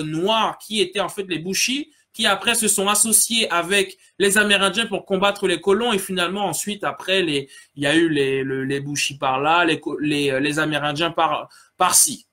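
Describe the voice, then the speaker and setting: A man's voice: high-pitched, pushed and bright. A man hosting a casual solo podcast, reading out listener comments and talking earnestly and directly to his audience. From French Guiana. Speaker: podcast host.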